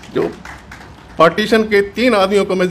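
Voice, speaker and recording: A man's voice over noticeable background noise. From Punjab, Pakistan. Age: 80s+. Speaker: partition survivor, businessman. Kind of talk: testimony. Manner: halting.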